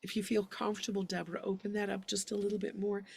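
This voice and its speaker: A woman teaching singing in a live online lesson, guiding breathing and relaxation in a gentle, encouraging way. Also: mid-range voice, little pitch movement, quick pace, gravelly, breathy edge.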